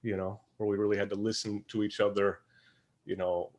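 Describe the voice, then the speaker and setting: Informal man with a lowish voice. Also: level tone, a little mellow. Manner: halting, informal, thinking aloud. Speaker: actor, panel guest. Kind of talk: casual panel conversation.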